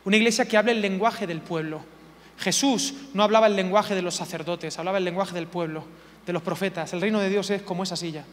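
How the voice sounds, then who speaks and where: A man's voice: high-pitched, fast talker, in a large hall. A man preaching a sermon, emphatic and full of rhetorical questions, repeating key words for effect.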